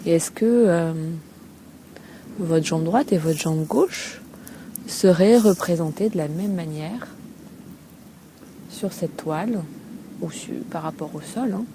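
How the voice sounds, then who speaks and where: A Feldenkrais teacher with a fairly low female voice leads an unscripted body-scan relaxation by a calm sea, her gentle, unhurried short phrases separated by hesitant pauses. The recording is rough, with steady seaside ambience and some seagulls behind her.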